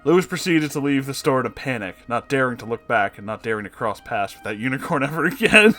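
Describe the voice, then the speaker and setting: A man's voice: medium pitch, expressive, quick pace, bright, forceful tone, soft background music. A man narrating a comedic story in a dramatic, amused reading style. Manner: amused, breaking into laughing asides.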